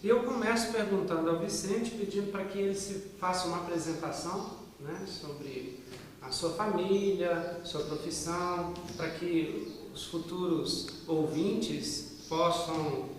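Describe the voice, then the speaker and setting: A man conducting an oral-history interview, introducing his guest in a formal, measured way. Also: sits high. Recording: echoey room, mic far off, hiss.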